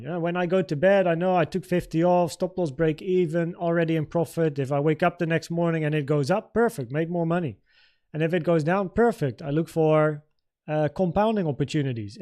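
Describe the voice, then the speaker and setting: A man in his thirties from the Netherlands, with Dutch as his first language, hosts a live trading stream. His voice sits a little higher than average. He talks informally, thinking aloud as he reads and answers comments from viewers. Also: darkish tone. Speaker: trading livestream host. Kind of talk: casual livestream Q&A and market commentary.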